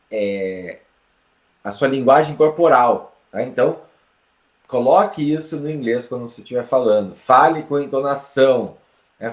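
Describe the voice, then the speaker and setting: A man with a Brazilian Portuguese accent teaching an online lesson in a lively, explanatory way, often checking in with the learner. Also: medium pitch, echoey room. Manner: lively, explanatory, with frequent tag questions. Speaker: English teacher.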